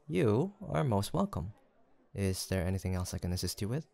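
His voice sits on the low side and is gravelly, swinging widely in pitch at a normal speed. He's playing a gentle, kindly young apothecary of a village in a soft roleplay audio drama, speaking formally and politely with attentive reassurance.

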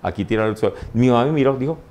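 A man, a priest, telling stories in a warm way and often laughing during an interview. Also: medium pitch, animated, racing. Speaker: priest, guest. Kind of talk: interview anecdotes. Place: TV studio.

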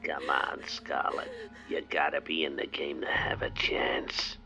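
An actor playing a menacing masked male killer on the phone, taunting in a gravelly, whispery voice. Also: rumbling low, flat delivery, unhurried, heavily acted. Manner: taunting, sinister. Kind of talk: audio play acting.

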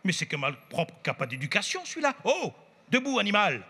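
A bossy, insolent little girl, as a man reads her out from his play snaps and mocks in a high, bright voice. She scolds loudly and breaks into sudden shouts. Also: huge pitch swings, brisk, breathy edge, long reverb tail, heavily acted. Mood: indignant. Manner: mocking, bossy, bursts into shouts. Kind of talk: author reading his own play aloud.

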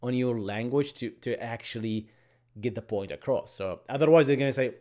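A man's voice: mid-range voice, moderate pace. A man in his thirties from Bahrain with an Arabic accent, talking casually to camera from a home room, gesturing a lot, restarting phrases and tagging on "right?". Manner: animated hand gestures, frequent restarts and filler "right?". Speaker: tech YouTuber. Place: home room with bookshelves, indoors. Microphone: desk mic in front of camera.

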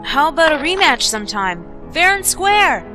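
A woman's voice: high-pitched, very animated, moderate pace, loud music behind the voice. A woman voicing an upbeat, sincere young boy hero in a game fan dub. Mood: earnest, upbeat.

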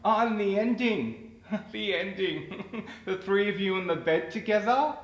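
Man in his 30s, deadpan sarcastic, slow, echoey room. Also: sits high. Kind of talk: acted monologue. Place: studio with plain grey backdrop.

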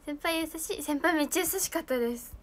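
A bubbly teenage girl with a lilt, chatting on a live stream and reading out viewer comments. Her voice sits very high, and she giggles often between lines. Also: fast talker. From Japan. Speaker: idol trainee streamer. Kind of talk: casual live stream chat.

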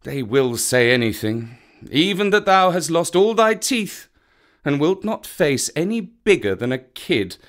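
A man's voice: fairly high pitch, sing-song, measured pace, fairly bright tone, voice pushed up. An actor reading a storybook and voicing a sly, proud male black panther who speaks with sweet mockery. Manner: sweetly mocking.

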